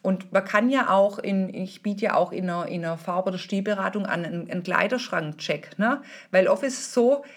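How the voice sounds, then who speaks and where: Woman style consultant, middle-aged, casual podcast explainer, chatty and informal, mid-pitched voice. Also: fairly quick. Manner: chatty, informal, many fillers and restarts.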